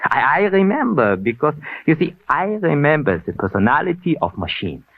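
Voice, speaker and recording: A frightened little junkyard owner who stammers through formal, philosophical phrasing. The voice is gravelly and swings up and down in pitch. It comes through a thin, phone-like 1940s radio broadcast. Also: male voice, sing-song, moderate pace. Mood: musing. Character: frightened little immigrant junk dealer, fussy and philosophical.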